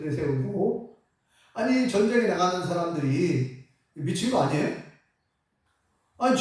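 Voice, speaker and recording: A preacher whose voice swoops up and down as the sermon builds, tossing out rhetorical questions and short laughs. The sound booms around a large, echoey church hall, picked up from some distance away. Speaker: pastor. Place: church sanctuary.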